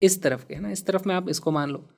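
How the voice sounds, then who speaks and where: A man explains physics problems step by step. He talks in a lively way and leans hard on key words. He drops English terms in as he goes. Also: high-pitched, fairly quick, creaky. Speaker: physics teacher.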